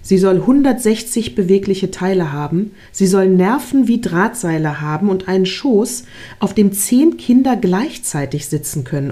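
A woman's voice: medium pitch, dark tone, natural voice. A woman reading as a patient old creator god. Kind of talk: reading a story aloud.

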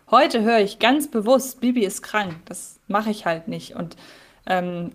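A woman co-hosting a casual podcast, thinking out loud. She hesitates often, restarting phrases and filling pauses as she weighs her views. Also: medium pitch. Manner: thoughtful, hesitant with many fillers. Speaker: podcast co-host.

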